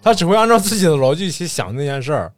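Teasing man with a wildly lively voice. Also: fairly high pitch, no echo, clean studio sound. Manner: teasing, quick banter. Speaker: podcast co-host. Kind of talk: casual chat. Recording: faint background music.

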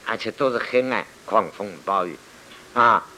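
Animated man giving a Buddhist lecture. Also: fairly low pitch, normal speed, slight background noise. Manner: lively storytelling, acting out exclamations and scolding. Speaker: Buddhist teacher. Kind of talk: spoken Buddhist lecture to a seated audience. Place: lecture room with listeners.

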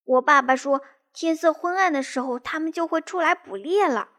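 A woman voicing a small boy mouse who is bold but easily frightened, shouting when excited and stammering when nervous, in a children's storybook. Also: high voice, normal speed.

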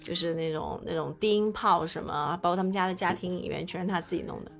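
A woman's voice: fairly low pitch, fast, gravelly. A woman chatting casually in an informal group conversation. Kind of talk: casual chat. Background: music.

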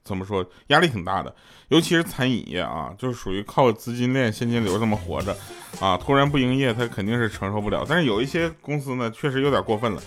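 A man's voice: mid-range voice, expressive, fast talker, soft background music. A man telling funny stories in a loose, chatty way, often laughing at his own punchlines. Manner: loose, conversational, many fillers. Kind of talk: chatty comic storytelling.

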